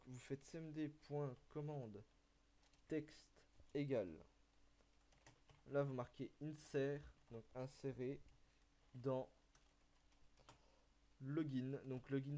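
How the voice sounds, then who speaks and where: A young man explaining a coding tutorial step by step, halting and filling pauses with hesitations as he types. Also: medium pitch, dark tone. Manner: halting, full of "euh" and "donc", talks while typing. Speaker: tutorial maker. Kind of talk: screen-recorded coding tutorial.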